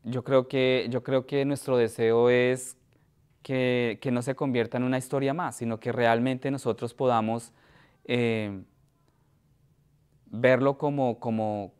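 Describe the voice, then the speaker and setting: A man preaching in a church, reading a scripture passage aloud and then explaining it with frequent pauses and restarts. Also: mid-range voice, steady tone, darkish tone, clear, resonant tone. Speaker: pastor.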